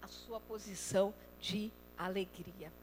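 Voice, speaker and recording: A woman preaching a lively sermon. She acts out quoted voices and swings between loud and soft. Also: mid-range voice, takes it slowly, big-room sound, a little hiss or hum.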